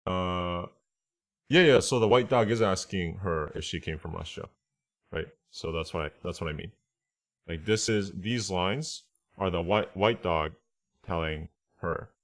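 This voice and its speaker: Low-voiced man teaching a language class. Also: measured pace. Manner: thinks aloud, checks understanding often. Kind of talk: casual online lesson, explaining and translating.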